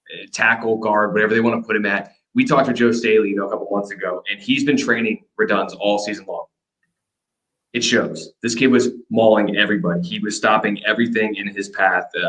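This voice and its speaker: A man talks football prospects at a brisk clip, his voice sitting a little low. He runs through players with energy in a casual, conversational podcast style. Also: poor audio. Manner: quick, energetic breakdown of players. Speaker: podcast co-host. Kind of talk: casual sports analysis. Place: hotel room.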